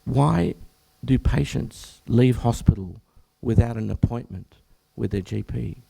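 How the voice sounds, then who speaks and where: A hoarse, croaky Australian man presents to a room of health professionals, his low voice rough with gravel. His tone is mellow and relaxed rather than bright. He keeps clearing his throat and stopping mid-phrase to start again. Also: measured pace. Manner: clears throat often, breaks off and restarts phrases. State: hoarse, croaky from much talking. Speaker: general practitioner presenting at an information session.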